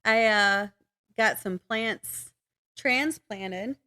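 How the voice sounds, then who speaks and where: A woman's voice: mid-range voice, very slow, bright, forceful tone. A woman co-hosting a podcast in casual chat with a friend, giggly and teasing in manner. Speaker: podcast co-host.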